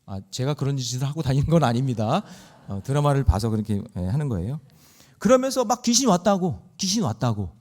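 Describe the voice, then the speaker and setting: A man's voice: medium pitch, very animated, quick pace, a little mellow. A man preaching a sermon in church, acting out scenes and exhorting the congregation. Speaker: pastor. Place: church sanctuary.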